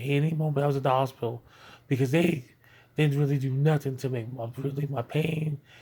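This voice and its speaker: A man's somewhat breathy, dark, mellow voice at a fairly high pitch, with fairly even intonation at a moderate pace. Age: 40s. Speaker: stroke survivor vlogger. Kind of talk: personal video diary. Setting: at home, in bed.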